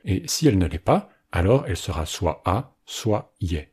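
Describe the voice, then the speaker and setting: A man narrating a scripted language lesson as its teacher, with a clear, explanatory delivery. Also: low voice, big pitch swings, normal speed, darkish tone.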